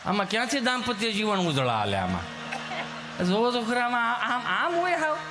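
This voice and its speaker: A man's voice: very high-pitched, very animated, moderate pace, long reverb tail, background noise. A man performing a folk comedy monologue on stage, acting out the people in his stories. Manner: storytelling with voiced characters.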